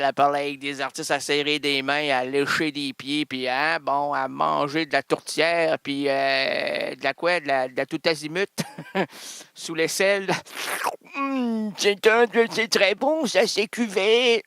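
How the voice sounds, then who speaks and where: A man with a Québécois accent performs an improvised absurd sketch. His voice is bright and forceful, and it is recorded close and dry. He rambles theatrically and stumbles over his words. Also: a little high, clean tone, dry recording. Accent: Québécois French. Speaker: comedian.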